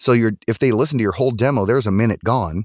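A man with a Texan accent and medium pitch at a very fast pace, in a very clean recording with a silent background and a dry, close sound with no echo. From Texas. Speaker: voiceover actor. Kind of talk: casual podcast chat.

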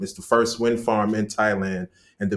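On a very clean recording with a silent background, a man with a Memphis accent speaks in a fairly low pitch with monotone, flat intonation. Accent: Southern US (Memphis). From US South, Memphis, Tennessee. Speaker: travel photographer. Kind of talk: interview.

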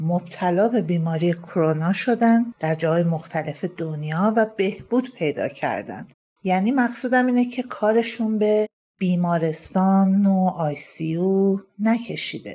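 Speaking very slowly, a woman uses a medium pitch and ordinary pitch variation. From Iran. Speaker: listener. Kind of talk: voice message question.

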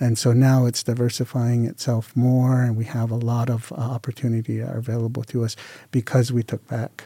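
Speaking with an American accent, a man talks at a moderate pace in a medium pitch, somewhat breathy and with monotone, flat intonation, in a dry, close sound with no echo on a very clean recording with a silent background. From Arizona, Fort Apache Indian Reservation. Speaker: university programs director. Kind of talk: radio interview. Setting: radio studio.

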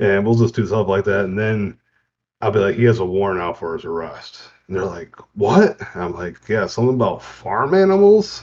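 A man with an ordinary speaking voice and fairly low pitch speaks at a moderate pace with fairly even intonation. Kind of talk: casual chat.

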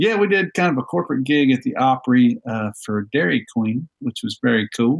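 With a North Carolina accent, a man of medium pitch talks at a moderate pace with lively intonation and hardly any pauses. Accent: Southern US, North Carolina. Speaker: bluegrass musician. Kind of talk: casual interview.

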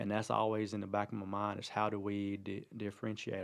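A man speaks at a fairly quick pace with an American accent and fairly low pitch. It is a plain, everyday voice on a very clean recording with a silent background. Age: 40s. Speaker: farmers market owner. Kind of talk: radio interview. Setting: radio studio.

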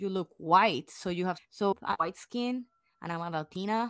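Ordinary pitch variation in a Puerto Rican accent. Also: woman. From Puerto Rico. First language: Spanish. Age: 40s. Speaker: reality TV contestant. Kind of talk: casual interview. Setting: remote call. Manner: deliberately thick accent.

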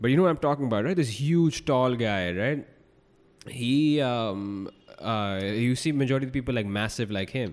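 At a moderate pace, a man talks in an ordinary speaking voice, medium in pitch, with lively intonation. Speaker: podcast host. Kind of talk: casual interview. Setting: office.

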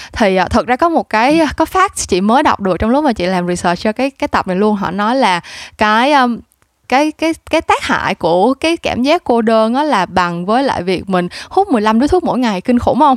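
In a very clean recording with a silent background and a dry, close sound with no echo, a woman speaks at a moderate pace and fairly high pitch, her pitch swinging very widely. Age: 30s. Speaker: podcast host. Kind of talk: casual interview chat.

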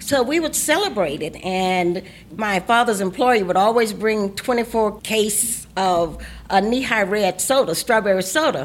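Speaking at a fairly slow pace in a Texan accent, a woman uses medium pitch and lively intonation. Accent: Texan Southern US. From Texas, small town. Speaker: professor. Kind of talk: casual interview.

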